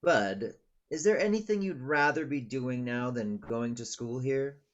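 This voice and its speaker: A man's voice: medium pitch, lively intonation, muffled recording, close to an everyday voice. Guy reading as a polite college dean, patient questions, voice moves up and down a lot. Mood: patient, probing. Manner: measured, polite, probing. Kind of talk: table read of a screenplay.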